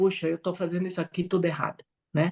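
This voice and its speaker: A woman speaks at a moderate pace in a medium-pitched, somewhat breathy voice. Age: 60s. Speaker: spiritist study group leader. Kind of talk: casual religious discussion; guided meditation. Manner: halting, hesitant.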